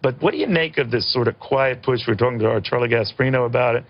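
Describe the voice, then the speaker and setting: A man hosting a TV news interview, talking briskly with joking asides. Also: mid-range voice. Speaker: TV news host. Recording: dull lo-fi broadcast audio.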